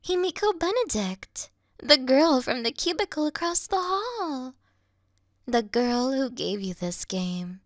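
A woman playing a sweet, clingy young yandere video game girl in a soft, coy, cutesy ASMR roleplay style. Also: high voice, sing-song, slow pace, no room sound, clean studio sound, heavily acted. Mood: eerie, possessive.

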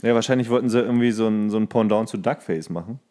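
A man co-hosting a comedy podcast in a casual, colloquial, joking way, often thinking out loud. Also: on the low side, fast talker. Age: over 21, adult. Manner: colloquial, joking, guessing aloud. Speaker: podcast co-host.

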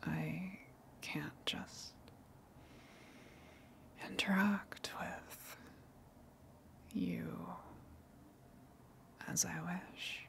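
A lonely female tentacle monster from the sea, acted by a woman speaks in an intimate ASMR roleplay. The voice is a breathy whisper with a creaky edge. The delivery is very slow and halting, gentle and earnest, like a careful confession. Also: on the low side, steady tone, heavily acted. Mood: wistful, lonely.

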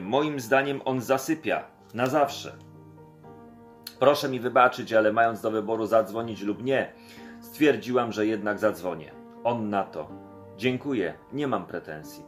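A man reading an audiobook chapter aloud, voicing the quoted dialogue expressively in his own voice. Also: medium pitch. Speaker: audiobook narrator. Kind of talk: scripted audiobook narration.

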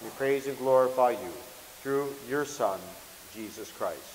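A man, a Catholic priest, reciting liturgical prayers in a solemn, measured way. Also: mid-range voice, a little mellow. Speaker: Catholic priest celebrating Mass. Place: large church sanctuary at the altar. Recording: echoey church, long reverb, hiss.

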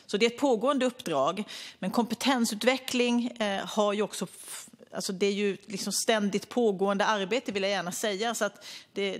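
A middle-aged woman minister giving a measured parliamentary debate speech with many hesitations, speaking into a podium microphone in a parliament chamber. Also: mid-range voice, fairly bright tone. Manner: measured, hesitant with frequent fillers. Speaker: government minister.

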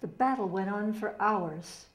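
An older woman playing a reflective, steadfast ghetto fighter, speaking gravely and deliberately in a dramatic reading. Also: medium pitch, lightly acted.

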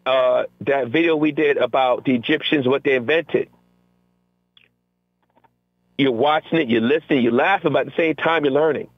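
A middle-aged man talks as a teacher guest on a call-in interview, lively and acting out the voices of his students and himself. His voice comes through a narrow, tinny phone line. There is no room echo at all. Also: medium pitch, brisk. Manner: energetic, acts out quotes from classroom exchanges. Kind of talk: conversational interview.

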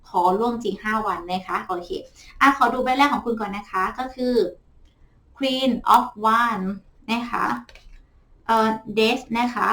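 A woman tarot reader chatting casually and frankly to her viewers as she draws cards, softening her talk with many polite particles. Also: a little high, slow pace, far from the mic. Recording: echoey room, voice off-mic.

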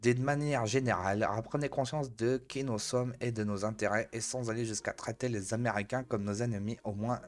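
A man's voice: mid-range voice, fairly even intonation, brisk, hardly any pauses. A man reading an article aloud as host, breaking off to joke at the guest.

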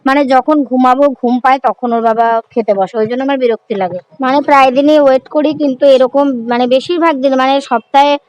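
A woman's voice: high voice, fast, darkish tone, clean tone. A woman in her thirties chatting casually through her day as a vlogger and mother, rambling through everyday details. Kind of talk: casual daily vlog narration. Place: home, later outdoors on a night street. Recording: noisy phone recording with street sounds.

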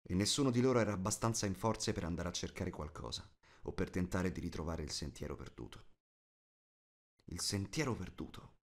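Low-voiced male audiobook narrator. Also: brisk. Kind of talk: scripted storybook narration.

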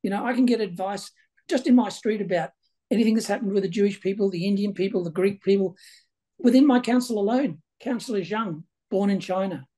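Councillor, 60s, from Ireland, webcam call, relaxed dark tone, rambling casual delivery. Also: male voice, high voice, a little fast. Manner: chatty, repeats words as he speaks. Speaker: local councillor. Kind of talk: video call interview. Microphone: video call webcam.

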